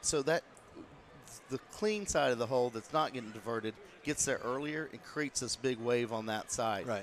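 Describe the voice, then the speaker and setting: A man with an American accent talks at a moderate pace and a medium pitch. His pitch varies in an ordinary way over light background noise. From Oklahoma (Tulsa); Oklahoma. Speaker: boat company representative; guest. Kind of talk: casual interview. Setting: auto show floor with audience. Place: hall.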